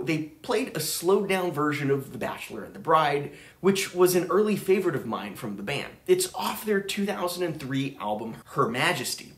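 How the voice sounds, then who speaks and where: A man's voice: a little high, roomy sound. A man in his thirties hosting a vinyl channel, narrating his trip in an enthusiastic, chatty way. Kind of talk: casual travel vlog narration. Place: room with record shelves.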